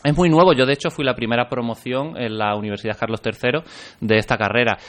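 A man's voice: mid-range voice, fairly even intonation, quick pace. A young man from Extremadura in Spain, speaking as an interview guest in a thoughtful manner with frequent small restarts. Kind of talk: interview conversation.

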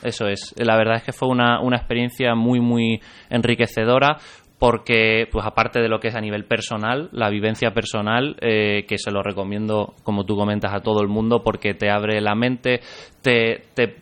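A man's voice: fairly low pitch, flat delivery, normal speed, a bit bright, clean tone. A young man from Extremadura in Spain, speaking as an interview guest in a thoughtful manner with frequent small restarts. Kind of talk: interview conversation.

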